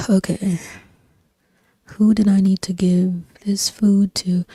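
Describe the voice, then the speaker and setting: A young woman streamer chatting casually while she plays, in a soft-spoken, breathy, near-whispered voice that rambles with lots of fillers. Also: mid-range voice, slow, dry recording. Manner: rambling, relaxed, frequent fillers and slang. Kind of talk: casual chat while gaming. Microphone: desk microphone.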